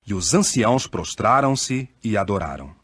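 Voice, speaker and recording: Husky man reading scripture solemnly. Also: fairly low pitch, very animated, fairly bright tone. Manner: measured, declamatory reading with dramatic swells. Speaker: scripture reader.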